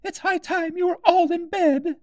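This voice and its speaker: Storybook mother bird, played by a man: extremely high, trembling, fussy and protective. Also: fairly even intonation, moderate pace, a little mellow, dry recording, clean studio sound. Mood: anxious. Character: trembling, fussy mother canary calling her children.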